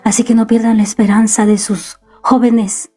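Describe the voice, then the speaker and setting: A woman in middle age gives an exhorting home sermon from her son's bedroom, talking straight to parents. Her voice sits a little high and sounds mellow and dark in tone. Faint music plays behind her. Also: little pitch movement, normal speed. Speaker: preacher.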